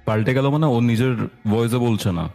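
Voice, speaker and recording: A man's voice: mid-range voice, a little fast, darkish tone, soft background music. A man hosting a casual call, giving short, attentive, reserved acknowledgements and questions. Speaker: host listening to a caller. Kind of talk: casual interview with brief acknowledgements.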